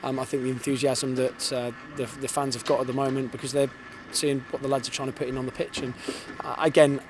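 Fast-talking coach on a night pitch. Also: male voice, flat delivery. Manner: fast, earnest, repeats words when starting sentences. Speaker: football head coach. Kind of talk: post-match interview. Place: outdoors on a floodlit football pitch at night. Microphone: handheld reporter's mic held in front. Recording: outdoor stadium noise behind.

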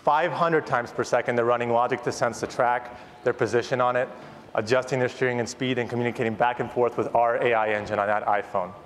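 A company founder in his thirties delivers an enthusiastic, well-rehearsed keynote product presentation on a big conference stage. His medium-pitched voice holds a steady tone at a fairly quick pace, with long hall reverb and audience noise in the recording.

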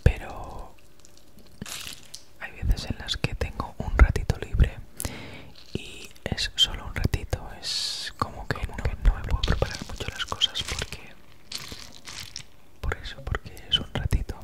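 A woman in her thirties with an accent from Spain chats casually in breathy, unvoiced ASMR whispers, very close to the mic, right in your ear, with a noticeable S sound. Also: measured pace, long pauses. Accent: Spanish from Spain. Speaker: ASMR creator. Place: small home room, indoors. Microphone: handheld recorder with foam windscreen, very close.

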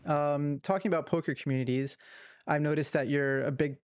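A young man hosting a podcast, asking interview questions in a relaxed way with fillers. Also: a little high, fairly quick, clear, resonant tone, no echo, clean studio sound. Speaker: podcast host. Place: home streaming room. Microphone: headphones and studio mic.

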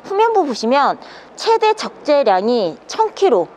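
A woman's voice: high voice, big pitch swings, unhurried, darkish tone. A young woman presenting a used vehicle in an upbeat, polished salesperson's patter. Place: indoor parking garage, later inside truck cab. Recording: background noise in parking garage.

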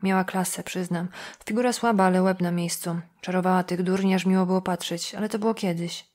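A woman's voice: fairly low pitch, fairly even intonation, a little fast, a little mellow, lightly acted. Woman reading as a crude, sneering street-smart woman. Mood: mocking. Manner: coarse, sneering, blunt. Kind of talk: audiobook dialogue.

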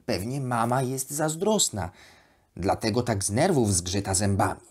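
In a children's bedtime audiobook, a narrator voices an elegant, naive, chatty female plush duck reading from her diary, full of expressive, wondering, childlike asides. The voice is mid-range and unhurried with a breathy edge, carrying a mood of naive amazement.

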